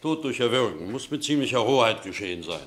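An actor playing a police doctor with a terse, clinical delivery in a German radio play. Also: male voice, medium pitch, expressive, quick pace, fairly bright tone, lightly acted. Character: matter-of-fact male police doctor.

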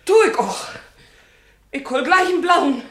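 High-pitched, alarmed Berlin wife. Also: female voice, a little slow, sharp tone, full character voice. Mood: angry. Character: frightened, indignant working-class Berlin wife. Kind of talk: radio play acting. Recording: roomy echo with background noise.

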